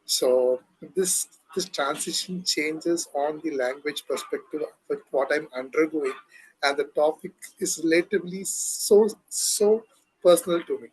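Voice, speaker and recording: A man in his thirties speaks English shaped by his Tamil mother tongue, and his voice sits a little high and husky. He talks hesitantly, with many fillers and restarts, while another voice chatters in the background. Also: a little slow, darkish tone, rough recording. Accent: Tamil-influenced Indian English. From Tamil Nadu, India. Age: 30s. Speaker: club member giving a short speech. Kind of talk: impromptu speech. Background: another person talking in the background.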